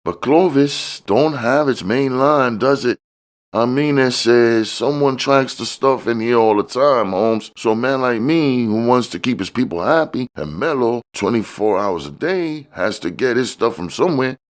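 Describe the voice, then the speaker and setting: A man voicing a fat, smooth-talking, cocky Mexican drug dealer in an audiobook, using slangy street talk with bits of Spanish. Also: mid-range voice, animated, unhurried, pitched above the performer's own voice, lightly acted. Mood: cocky, schooling. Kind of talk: audiobook character dialogue.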